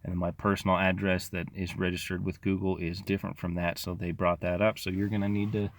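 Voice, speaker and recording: Deep-voiced and level in tone, a locksmith talks a little fast to his viewers, sharing business advice in a loose, filler-heavy ramble straight to camera. Being sick has left him tired and losing his voice, and there's no echo.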